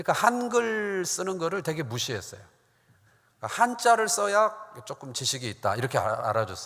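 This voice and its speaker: Animated in tone, a man speaks at a high pitch with very wide pitch swings. His pace is fairly quick. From South Korea, Gwangju (Jeolla). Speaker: pastor. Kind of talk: sermon.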